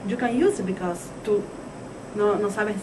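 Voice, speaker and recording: A woman's voice: medium pitch, normal speed. A woman from Cuba explains steadily and earnestly how hard it is to adapt to a new country. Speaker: interviewee. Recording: distant mic with background noise.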